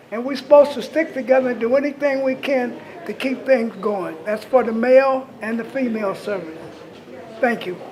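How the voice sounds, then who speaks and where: A man talks at a moderate pace with an extremely high pitch and ordinary pitch variation. Noticeable background noise and audible room echo surround him. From US South, Memphis, Tennessee. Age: 80s+. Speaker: war veteran. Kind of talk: testimony. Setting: church hall meeting with audience.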